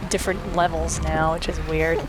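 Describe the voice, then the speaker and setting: A woman's voice: deep voice, little pitch movement, moderate pace, noisy background. Wry woman doing casual game commentary. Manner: wry, sweary. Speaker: let's play host, player. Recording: game music behind commentary.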